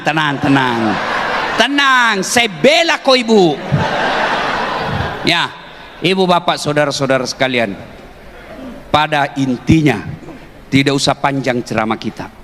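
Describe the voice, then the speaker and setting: A man preaching a humorous sermon to an audience, joking and teasing, with bursts of shouting. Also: mid-range voice. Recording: reverberant hall with faint noise.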